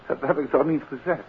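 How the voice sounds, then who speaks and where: An actor playing a calm, courteous, secretive married detective in a 1950s Dutch radio play, with a Netherlands accent. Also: male voice, fairly high pitch. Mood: teasing, evasive. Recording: tinny, noisy 1950s radio recording.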